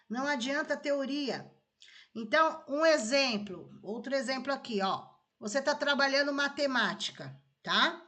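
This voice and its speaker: A woman's voice: on the high side, a bit bright. A Brazilian woman teacher giving a conversational lesson, often checking that listeners follow along. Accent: Brazilian Portuguese. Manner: conversational, checks understanding with tags like "tá?" and "né?". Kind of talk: explanatory lesson.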